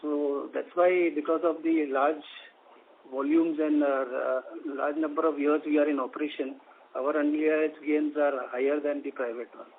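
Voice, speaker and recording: A man's voice: fairly high pitch, steady tone, moderate pace. A man with an Indian accent answering as a company executive on an earnings call, in broken-up phrases. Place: conference phone call. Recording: narrow noisy phone line.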